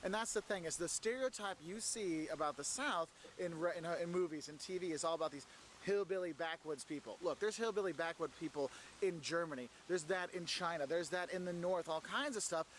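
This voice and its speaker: A man with a high voice explains a point emphatically, addressing the viewer directly. Faint outdoor noise sits behind him, with traffic passing somewhere nearby. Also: fairly bright tone. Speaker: video creator. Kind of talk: explanatory vlog talk.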